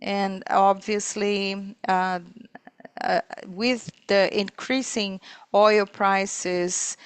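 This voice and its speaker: A woman interpreting live on a corporate earnings call, speaking in halting, piecemeal phrases. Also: medium pitch, steady tone, smooth, no echo. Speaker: simultaneous interpreter.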